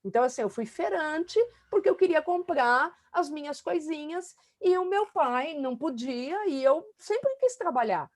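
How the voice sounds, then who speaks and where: A woman's voice: sits high, expressive, moderate pace, few pauses. A middle-aged woman talking in a casual interview, emphatic and talkative, with many fillers. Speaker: student being coached.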